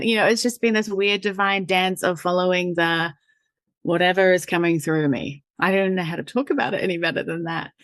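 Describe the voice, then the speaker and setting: Chatting casually as an interview guest, this New Zealand woman laughs and wanders off topic, filling her speech with fillers and now and then swearing. Her voice is fairly low and fairly bright, captured without echo.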